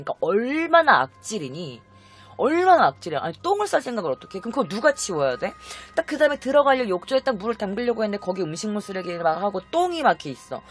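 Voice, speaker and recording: A woman telling a strange true story in a chatty, dramatic way, often asking the listener questions. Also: medium pitch. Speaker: storytelling host. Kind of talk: casual storytelling vlog.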